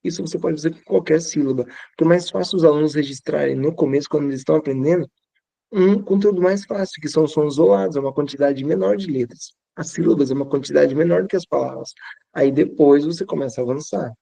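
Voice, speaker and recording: A man's voice: fairly high pitch, quick pace, gravelly, mellow, no echo. A male teacher with a Brazilian accent, explaining classroom methods conversationally and repeating phrases for emphasis. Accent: Brazilian Portuguese. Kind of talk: teaching tips to fellow teachers.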